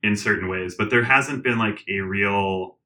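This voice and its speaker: A man being interviewed, talking in a casual, animated way with many fillers, restarts and frequent laughs. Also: lowish voice, a little slow. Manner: laughs often. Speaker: interview guest, tech founder.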